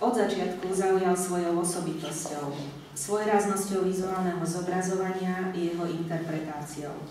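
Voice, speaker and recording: Through strong room echo and light background noise, a woman speaks at medium pitch with fairly even intonation. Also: moderate pace. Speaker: host's wife, reader. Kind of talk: reading aloud. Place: hall. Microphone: camera far.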